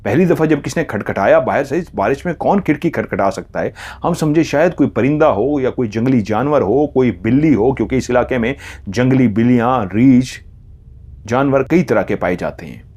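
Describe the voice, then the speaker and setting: Man, storyteller, hushed slow horror narration. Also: medium pitch, expressive, husky.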